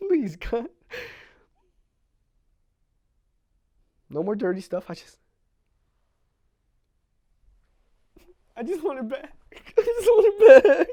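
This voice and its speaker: A man's voice: high voice, very animated, quick pace. A young male actor playing a young man who recounts a traumatic childhood in a dramatic stage monologue, raw and confessional. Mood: pleading, sobbing. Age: young adult. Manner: raw and confessional, swinging between hushed recollection and sobbing screams.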